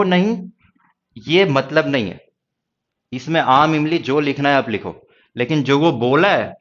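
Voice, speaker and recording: A man's voice: medium pitch, a bit bright, muffled recording. A man with a Hindi accent teaching a stenography class, reassuring his students and asking them rhetorical questions. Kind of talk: classroom lecture.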